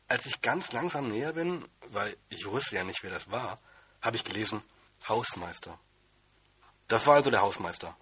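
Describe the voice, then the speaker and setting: A man reads a children's story aloud in the first person, keeping his delivery plain and childlike. His voice is husky with a bright, forward edge and sits fairly low. The recording sounds dull and lo-fi, close and dry. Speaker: audiobook reader.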